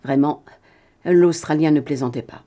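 A woman narrating an adventure novel as an audiobook reader, in an expressive, even-paced reading. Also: deep voice, moderate pace.

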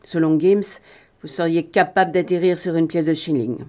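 A woman's voice: low voice, steady tone, moderate pace, mellow, close to an everyday voice. A woman voicing a cold, menacing male hijacker in a read-aloud adventure story, with a cutting, threatening delivery.

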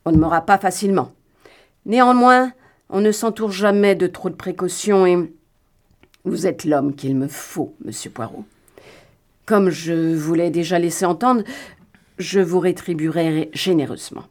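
A woman reading the part of a rich, wary American businessman with a soft, slightly nasal and persuasive voice. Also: lowish voice, unhurried. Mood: insistent. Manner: persuasive, insistent.

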